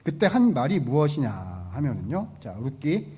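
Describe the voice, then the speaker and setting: A man's voice: medium pitch, sing-song, normal speed, warm tone, slightly rough. A male pastor preaching a humorous sermon in a conversational way, often asking the congregation questions. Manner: conversational, asks the congregation questions, acts out quotes.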